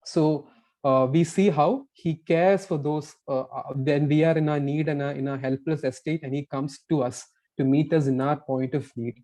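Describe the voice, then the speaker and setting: A male preacher delivers a sermon at a pulpit microphone in a church. His voice sits slightly high but sounds warm and mellow. He explains earnestly and often stops to restart a thought. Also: steady tone, moderate pace.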